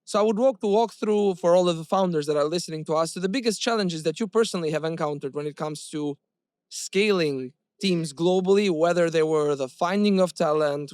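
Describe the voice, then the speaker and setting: A man's voice: a little high, darkish tone, no room sound. A man hosting a business podcast, asking long, rambling questions and agreeing with his guest. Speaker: podcast host. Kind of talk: interview questions.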